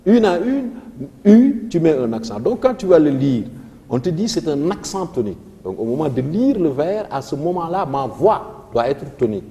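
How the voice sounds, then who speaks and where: A man with a Senegalese French accent, a teacher explaining poetry and rhythm on a televised revision lesson, reciting lines of verse slowly. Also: on the high side, very animated, warm tone, long reverb tail. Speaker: literature teacher.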